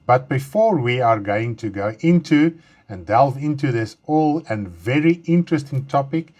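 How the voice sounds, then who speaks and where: A man's voice: mid-range voice, lively intonation, a little mellow. Guy preaching a bible study stream, earnest, lots of uhs and restarts. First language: Afrikaans. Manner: earnest, halting, with frequent fillers and restarts. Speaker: pastor leading Bible study.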